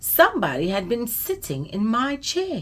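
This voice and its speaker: A woman's raspy, growling put-on character voice, fairly high in pitch with very wide pitch swings, over light background noise. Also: moderate pace. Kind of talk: bedtime story. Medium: read story.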